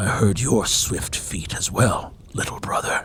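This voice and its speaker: Doing a put-on character voice, a man talks in a raspy tone at medium pitch and a fairly slow pace, with light background noise. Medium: actual play. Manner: earnest, solemn.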